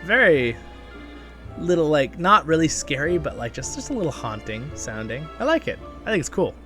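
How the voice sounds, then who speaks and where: This gaming channel host delivers a casual, meandering gameplay guide and chats with his audience as if they were friends, while game music plays behind him. His voice is a little high and a bit bright, sing-song, at normal speed.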